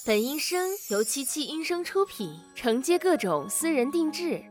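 A woman's voice: high-pitched, sing-song, normal speed, soft background music. Sweet-voiced woman reading a promo. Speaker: studio announcer. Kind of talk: scripted promo announcement.

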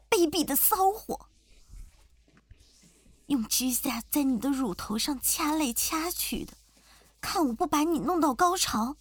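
A woman's voice: on the high side, husky, no echo, exaggerated voice. A woman voicing a cruel, mocking young woman rival in an amateur audio role-play. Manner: mocking, drawn-out sneers.

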